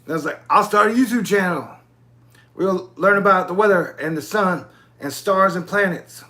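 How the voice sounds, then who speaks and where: A man's voice: sits high, moderate pace, bright, forceful tone. A man in his forties hosting his own channel, talking in a loose, rambling monologue and swearing now and then. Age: 40s. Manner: loose, digressive, swears casually. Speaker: YouTube channel host.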